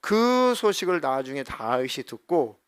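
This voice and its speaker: Middle-aged pastor guy preaching, kinda high voice, dry close sound, acts out the dialogue. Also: a little slow, clear, resonant tone, no room sound. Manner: animated storytelling, acting out quoted dialogue. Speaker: senior pastor. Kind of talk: sermon.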